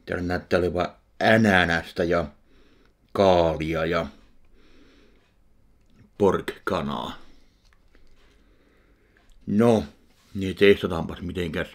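A middle-aged man from Finland reviewing a salad in a casual food-tasting vlog at his kitchen, slow and deadpan between bites, recorded on a webcam. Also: deep voice. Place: kitchen indoors.

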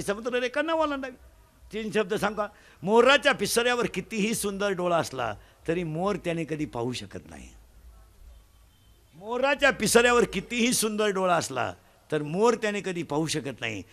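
A man from Maharashtra delivering a comic devotional sermon, animated, with loud bursts and mimicry of village folk. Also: sits high. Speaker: kirtan preacher.

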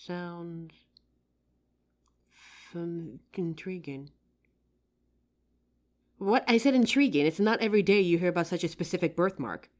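A voice actress plays a helpful psychic shopkeeper in an audio roleplay. Her voice sits a little low for a woman and moves up and down a lot. She chats in a curious, friendly way, leaving pauses as if someone is answering. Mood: tender, curious. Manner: chatty, expressive, with pauses and soft laughs. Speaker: voice actor. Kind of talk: roleplay audio drama, one side of a chat addressed to the listener.

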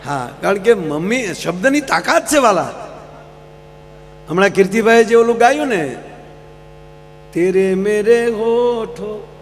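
A man's voice: high-pitched, a bit bright. A man telling folksy humorous stories on a live stage, often addressing the audience as sir. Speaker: folk comedian. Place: large live stage program. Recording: reverberant live hall, faint mains hum.

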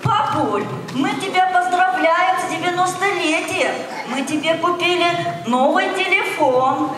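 A woman's voice: very high-pitched, measured pace. A woman playing a teasing younger woman in an amateur stage comedy sketch. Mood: playful. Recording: echoey hall, loud music and crowd.

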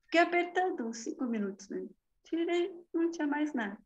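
Woman, casual testimonial over a video call; chatty and quick to laugh, slightly muffled audio. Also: high-pitched, lively intonation, darkish tone, slight background noise. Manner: chatty, laughs often, frequent tag questions. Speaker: therapy practitioner giving a testimonial.

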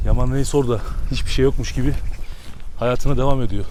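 A man's voice: mid-range voice, fast talker, mellow, slight background noise. A man on a farm, coaxing and scolding his dogs in a friendly way while chatting to viewers. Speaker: shepherd-dog keeper vlogger. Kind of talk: casual outdoor vlog, coaxing dogs. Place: outdoors on a muddy farm. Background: animals and rural outdoor ambience.

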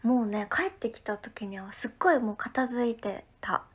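A high-pitched woman from Ehime with a local lilt, talking casually on a livestream as she reads viewer comments aloud. Her tone is friendly and chatty, and she often slips into soft, breathy half-whispers. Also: moderate pace. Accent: Ehime Japanese. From Ehime, Japan.

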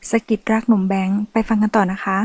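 A woman narrating a serialized romance novel as an audiobook in a calm, even storytelling manner. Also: medium pitch, fast, dry recording. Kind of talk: scripted narration.

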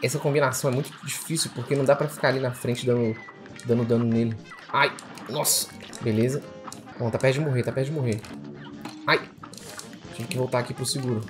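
A man with a Brazilian Portuguese accent giving excitable let's play commentary while gaming, often repeating exclamations in bursts. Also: medium pitch, fast talker, long pauses, music in the background. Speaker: gamer.

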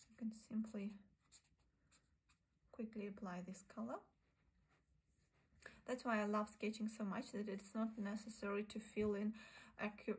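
A woman teaching a sketching lesson, narrating calmly and often half-whispering while she draws at a desk. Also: mid-range voice, breathy edge, poor audio. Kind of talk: soft-spoken drawing tutorial. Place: indoors at a desk, overhead camera on the sketchbook.

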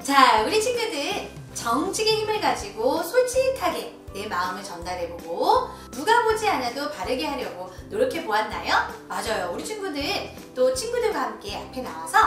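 A woman teacher leading a children's lesson in a gentle, encouraging way and coaching slow breathing. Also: high-pitched, big pitch swings. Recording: echoey room, from a distance, soft music.

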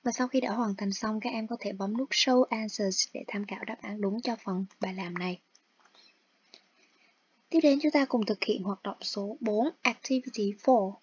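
A woman's voice: medium pitch, moderate pace, slightly rough, muffled recording. A woman teaching an English lesson online, explaining step by step and speaking directly to her students.

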